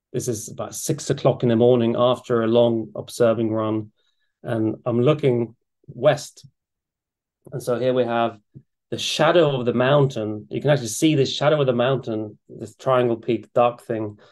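A man's voice: medium pitch, fairly even intonation, moderate pace, a little mellow. A middle-aged man who grew up in Sweden gives a public astronomy lecture from a small room over a video call. He talks in a loose, conversational way, full of restarts and fillers, and his mid-range voice lifts with enthusiasm. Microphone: webcam or desk mic on a video call.

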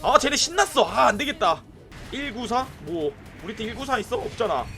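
Young guy streaming a mobile game, high bright voice, yells at his team a lot, faint music under it. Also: fairly quick, gravelly. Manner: excitable, yelling bursts at teammates, chatting to viewers. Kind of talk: live gameplay commentary.

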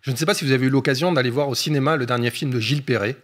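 A man's voice: mid-range voice, rapid-fire. A man, an economist guest on a discussion show, explaining at length with frequent hesitation fillers.

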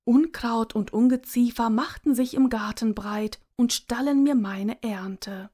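A woman reading a story aloud in the first person as its narrator, softly and calmly. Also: fairly high pitch, a little slow.

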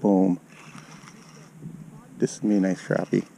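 A man's voice: low voice, level tone, slow, creaky. A man casually narrating his ice fishing to viewers, recorded on a body-worn action camera outdoors on a frozen lake. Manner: chatty, talks to viewers as "you guys". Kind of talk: casual play-by-play commentary. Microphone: body-mounted action camera. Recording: outdoor wind noise on the mic.

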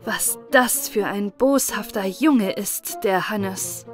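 A woman's voice: medium pitch, slow. A woman narrating a fairy tale expressively for children, as in an audiobook. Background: faint music.

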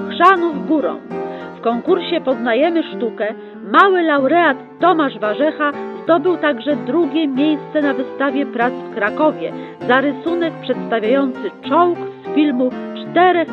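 A woman narrating a library chronicle in a brisk, upbeat old-newsreel announcer manner. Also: high-pitched, lively intonation, narrow, tinny audio. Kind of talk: mock 1960s newsreel narration. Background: plucked guitar music.

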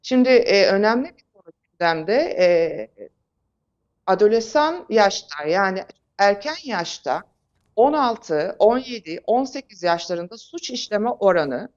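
A woman answering as an expert guest in an interview, explaining in a halting way with frequent pauses. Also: mid-range voice, lively intonation, darkish tone, lo-fi sound. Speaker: expert guest, psychological counselor and psychotherapist.

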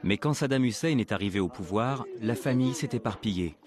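A man narrating a documentary as its presenter, in a measured, earnest storytelling manner. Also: on the low side, lively intonation, a crowd in the background. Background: background music.

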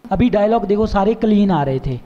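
A man's voice: sits high, expressive, a little fast, in a large hall, muffled recording. A man judging a talent show, giving encouraging and instructive feedback to child performers. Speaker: dance and acting judge.

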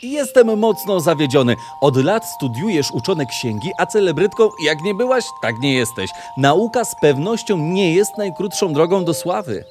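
A man's voice: high voice, very animated, moderate pace, few pauses. A man voicing a frank, questioning little sparrow in a children's audio play. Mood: disappointed. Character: male sparrow, chirpy sceptical friend of a tortoise. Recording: loud music under the voice.

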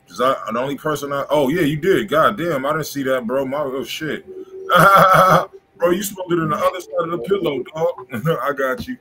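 A man's voice: on the high side, normal speed, sharp tone, slight background noise. A man hosting a live music review stream, chatting casually and profanely with his viewers from a small home studio. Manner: laid-back, slangy, profane, talking to chat. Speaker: livestream music review host.

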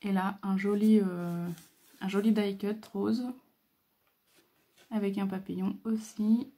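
A woman hosting a casual craft video, talking hesitantly with many fillers and pauses as she admires what she shows. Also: medium pitch, fairly even intonation. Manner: admiring, soft-spoken. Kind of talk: casual show-and-tell.

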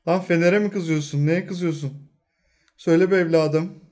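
A young man commenting on a horror game he plays, talking to himself and the game, muttering low and breaking into frightened yells, his throat strained from shouting. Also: fairly even intonation, moderate pace. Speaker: gaming channel host.

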